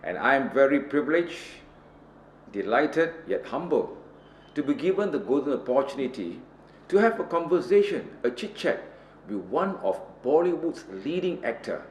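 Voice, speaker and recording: A man's voice: on the high side, reverberant, slight background noise, poor audio. A Malaysian man hosting an interview with elaborate, ceremonious phrasing. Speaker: host.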